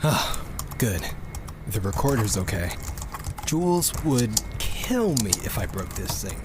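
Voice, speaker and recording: A man's voice: lowish voice, sing-song, slow, background noise. A man playing a geeky, exasperated rocket programmer who rambles and swears through a casual audio log in a sci-fi drama. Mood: flustered. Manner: rambling, self-interrupting, swearing.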